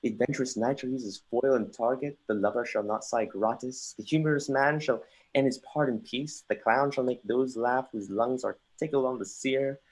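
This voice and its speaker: A performer acts out a young Danish prince in a Shakespearean stage reading. He is sardonic and brooding, declaiming theatrically at a middling pitch, with the odd stumble over the verse. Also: normal speed, hardly any pauses, breathy edge, lightly acted, poor audio. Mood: curious, wry. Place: remote livestream from home.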